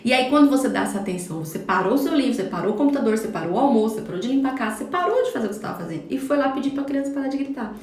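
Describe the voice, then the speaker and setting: Higher-voiced Brazilian woman, parenting talk. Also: animated, very fast, few pauses, a little mellow, echoey room. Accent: Brazilian Portuguese. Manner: explanatory, addresses viewers directly, frequent "tá?" check-ins. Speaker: parenting educator. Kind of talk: live-streamed parenting talk. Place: home. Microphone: phone for a social media live.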